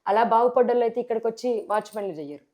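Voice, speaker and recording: In a TV interview, a sarpanch candidate with a Telangana Telugu accent responds with force and plenty of rhetorical questions. Her pitch is fairly high and she speaks very fast.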